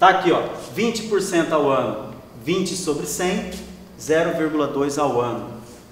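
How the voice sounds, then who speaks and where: Amid noticeable background noise and audible room echo, a man speaks with lively intonation. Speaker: teacher. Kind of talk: lecture. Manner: casual.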